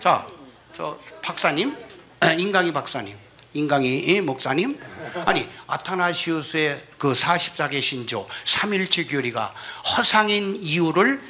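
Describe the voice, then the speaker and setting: A male pastor from Chungcheong teaching a Bible class, leading the class in repeating lines after him and swinging from quiet asides to shouted declarations. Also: a little high, lively intonation, a little slow. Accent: Chungcheong Korean. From Chungcheong, Korea. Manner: leads call-and-response reading, swings from soft to shouting. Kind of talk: sermon-style Bible class.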